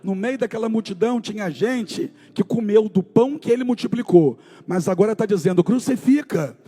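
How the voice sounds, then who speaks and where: A man preaching a sermon at a church service, with fervent delivery that swings from shouting to hushed storytelling. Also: sits high, fairly quick, faint music behind. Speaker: pastor.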